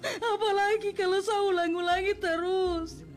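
Brief: woman as a crying, very high-voiced office worker, hurt and confronting. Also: level tone, measured pace, dark tone, faint music behind. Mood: tearful. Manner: tearful, wounded, confronting. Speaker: office worker teased about weight. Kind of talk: amateur comedy skit acting.

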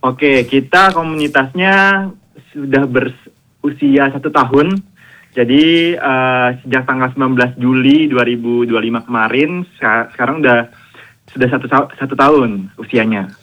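A man from Jakarta answering questions as a radio guest, hesitant and friendly, full of pauses. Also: mid-range voice, dull audio. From Jakarta, Indonesia. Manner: hesitant, many fillers and restarts, friendly. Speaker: guest, founder of a swimming community.

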